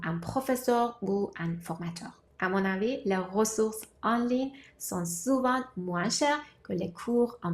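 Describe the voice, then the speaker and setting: A woman who learned French as a second language, giving a scripted, measured talk as a language-learning vlogger. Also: medium pitch. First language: not French. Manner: measured, deliberate delivery in short listed phrases. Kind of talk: scripted explanatory monologue.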